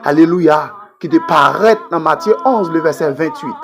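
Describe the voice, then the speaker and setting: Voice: mid-range voice, moderate pace. A person with a Haitian accent leading a fervent, pleading Christian prayer, repeating phrases in an extempore way. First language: Haitian Creole. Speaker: prayer leader. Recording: music playing under the voice. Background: music.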